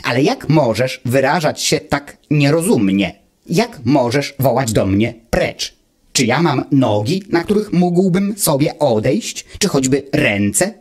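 A calm, pedantic machine friend, read by a man, holds forth in a husky mid-range voice. It reasons coolly and deliberately, step by step, as if laying out a proof. It comes from a storybook reading. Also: medium pitch. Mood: offended. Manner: coldly reasoning, lecturing, measured. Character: calm, pedantic male mechanical friend lodged in an ear. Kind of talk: audiobook reading of a fairy tale.

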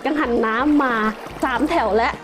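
A young woman giving casual, excitable gameplay commentary as a game host, full of exclamations. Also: sits high, moderate pace, over music.

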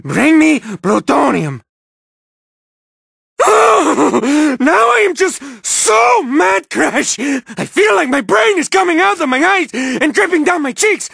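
Volatile, grovelling game villain: strained gravelly rasp, slow and halting, melodramatic. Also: male voice, extremely high pitch, very animated, sharp tone, no echo, clean studio sound, exaggerated voice. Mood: crazed anger. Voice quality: raspy, strained. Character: unhinged, obsessive cartoon villain scientist, grovelling and volatile. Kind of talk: animated video game character acting.

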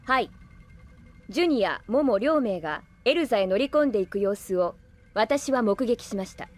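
An emotionless female android in an anime radio play. She reports in a formal, precise, deadpan way, in a slightly high voice over faint music. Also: moderate pace. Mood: detached. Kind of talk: anime audio drama acting.

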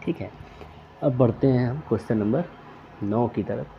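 A man steps through exam questions as a tutor, reading each question and its options aloud before naming the correct answer. His voice sits at an ordinary middle pitch. The recording is slightly dull and lo-fi, with faint background hiss. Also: normal speed, creaky. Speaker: quiz tutor.

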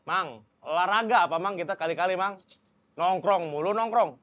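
High, bright-voiced joking male host. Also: moderate pace. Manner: joking, teasing. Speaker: podcast host. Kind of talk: casual banter.

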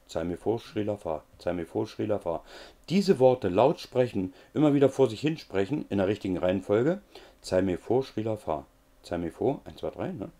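A middle-aged male teacher explaining a memorization trick in a relaxed, chatty way, with frequent filler sounds. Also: fairly low pitch. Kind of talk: casual explanatory lesson.

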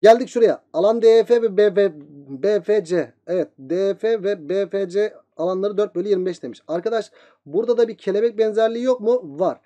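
A male teacher rattles through a geometry review at a breakneck pace. His voice sits high for a man but has a mellow, soft-edged tone. He keeps asking the students' questions himself and then answering them. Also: dull audio. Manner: very fast talker, voicing student questions himself. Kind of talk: geometry lesson.

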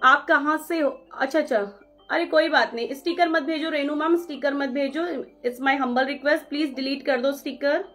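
A woman hosting a live saree sale, chatting briskly with viewers, taking bookings and calling out their names, slipping English phrases into her Hindi. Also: high voice, steady tone, a bit bright, soft background music. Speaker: saree seller on live stream. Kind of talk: live-stream sales chat.

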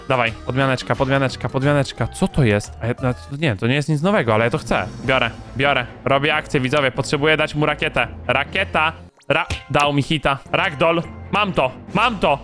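A man giving excited, rapid game commentary, repeating phrases and breaking into shouts as he plays. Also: medium pitch. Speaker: gaming YouTuber.

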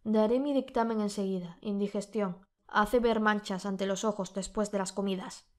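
Brief: a woman playing a sardonic gentleman, unhurried and dry. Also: medium pitch, fairly even intonation, lightly acted. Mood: mocking.

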